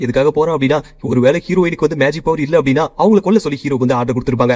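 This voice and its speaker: An ordinary speaking voice with ordinary pitch variation and a dry, close sound with no echo. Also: man. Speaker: anime story narrator. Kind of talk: casual storytelling recap.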